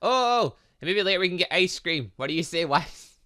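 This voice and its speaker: A man voicing an excitable, childlike teenage girl from a visual novel, gushing and whining in exclamations. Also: high-pitched, brisk. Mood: gushing excitement.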